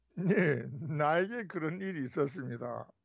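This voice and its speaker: His pitch swings very widely. The man keeps to a fairly slow pace. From North Korea. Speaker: traditional medicine doctor. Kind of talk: interview. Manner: formal.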